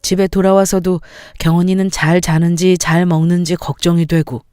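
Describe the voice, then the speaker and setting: A woman's voice: lowish voice, flat delivery, normal speed, warm tone, clear, resonant tone, no room sound, studio quality, natural voice. A woman voicing a hardworking husband and father who talks affectionately about his family, in a storybook. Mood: tender. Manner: affectionate, cheerful talk.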